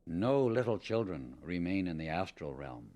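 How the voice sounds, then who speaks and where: A man reading a scripted spiritual teaching as an audiobook, in a solemn, deliberate and emphatic manner. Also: sits low, very animated, mellow. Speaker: audiobook reader.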